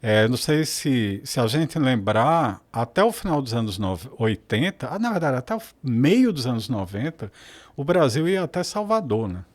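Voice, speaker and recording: A man's voice: mid-range voice, sing-song, moderate pace. A man, a guest on a podcast, talking in a reflective, rambling way and correcting himself as he goes. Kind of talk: casual podcast conversation.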